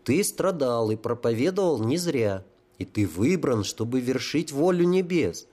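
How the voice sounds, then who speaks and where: A man voicing a cunning dead sapper who speaks smoothly and with authority. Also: mid-range voice, sing-song, a little slow, dark tone. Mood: commanding.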